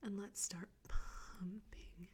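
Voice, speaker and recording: A woman whispering close to the mic in a soft, coaxing, teasing audio roleplay. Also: medium pitch, fairly even intonation, slow.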